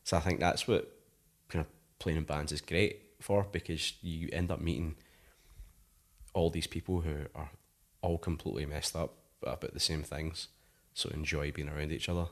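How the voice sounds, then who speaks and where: Speaking at a normal speed with fairly even intonation, this Scottish man in his thirties has an extremely low pitch. He's a musician being interviewed, chatting loosely and leaning on "like" a lot as he rambles.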